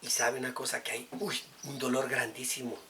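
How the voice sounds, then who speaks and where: Preacher, emphatic sermon, repeats key words, mid pitch. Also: little pitch movement, brisk, background noise.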